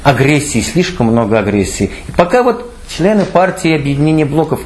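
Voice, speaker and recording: A man's voice: big pitch swings, brisk. A middle-aged man speaking off the cuff at a meeting, emphatic and repetitive, his voice rising when he urges people on. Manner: emphatic, repeats phrases, pitch climbs when urging. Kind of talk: impromptu public speech.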